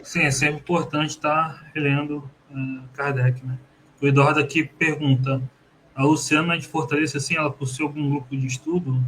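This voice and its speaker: A man hosting a live-stream interview in a relaxed, courteous way. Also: fairly high pitch, normal speed, slight background noise, low-quality recording. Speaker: host.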